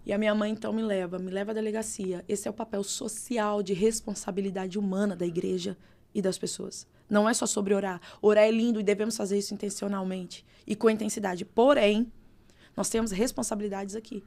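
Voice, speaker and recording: A woman pastor with a Brazilian accent, telling her testimony in a podcast interview with expressive, dramatic storytelling. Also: medium pitch, brisk, creaky. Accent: Brazilian Portuguese. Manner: expressive, dramatic storytelling with vivid reenacted dialogue. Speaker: pastor, guest.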